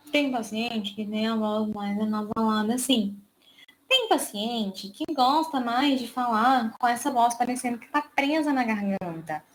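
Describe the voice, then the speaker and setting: Brazilian woman, speech therapist lecturing online; measured, fairly high voice that slows on key terms. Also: a little hiss or hum, low-quality recording. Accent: Brazilian Portuguese. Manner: explanatory, stretches key words slowly.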